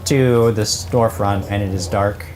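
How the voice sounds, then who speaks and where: A woman narrating a tabletop role-playing game as game master, in a relaxed and giggly way with plenty of fillers. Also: extremely low pitch, a little slow, slight background noise. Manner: laid-back, giggly narration with frequent fillers.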